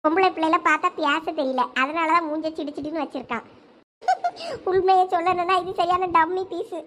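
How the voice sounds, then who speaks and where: A woman's voice: very high voice, expressive, fairly bright tone. A woman voicing a nosy, teasing young village woman in a cartoon, with a Thoothukudi Tamil accent. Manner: nosy, fast-talking, teasing. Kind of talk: cartoon voice acting.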